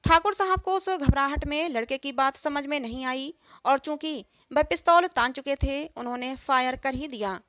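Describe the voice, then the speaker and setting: A woman with a high voice narrates a moral story, recorded close and dry. She reads every character in one even storytelling voice. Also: normal speed, no echo.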